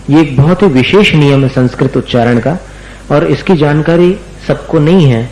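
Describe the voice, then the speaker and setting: A religious teacher leads a lesson on recitation, patiently stretching out words and repeating them slowly so his students can copy. His voice sits a little high with a darkish tone, and the roomy, poor-quality audio carries slight background noise.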